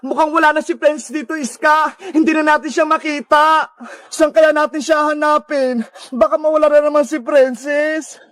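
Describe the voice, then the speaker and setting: A woman voicing a worried friend searching for a lost girl, urgent and calling out loudly. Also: high voice, fairly even intonation, normal speed, natural voice. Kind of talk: Tagalog cartoon voice acting.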